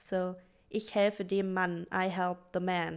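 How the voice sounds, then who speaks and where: She speaks with a German accent. Her pace is very slow. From Freiburg, southwestern Germany (Baden-Württemberg). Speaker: German language teacher. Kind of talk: casual interview chat.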